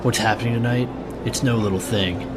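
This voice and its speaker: An actor playing a cool, controlling, quietly threatening criminal in a radio drama. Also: male voice, mid-range voice, steady tone, a little fast, heavy background noise, lightly acted. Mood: cold threat.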